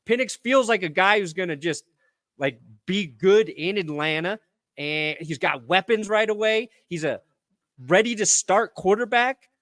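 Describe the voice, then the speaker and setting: A man's voice: high voice, lively intonation, unhurried, a bit bright, no echo, clean studio sound. A man co-hosting a casual sports talk show, ranting in a blunt, profane way.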